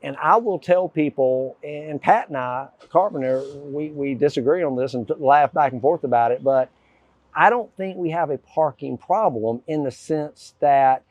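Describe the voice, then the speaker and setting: A man's voice: fairly high pitch, moderate pace, darkish tone, no echo, muffled recording. A man hosting a local talk show as mayor, talking conversationally and building emphatically when he argues a point. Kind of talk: conversational interview.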